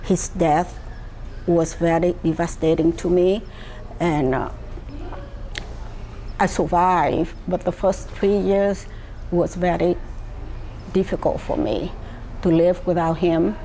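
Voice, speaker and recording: An older woman from Vietnam with a Vietnamese accent, telling her life story slowly, with many pauses and fillers. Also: lowish voice, flat delivery, mellow, a little hiss or hum, poor audio. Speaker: interviewee.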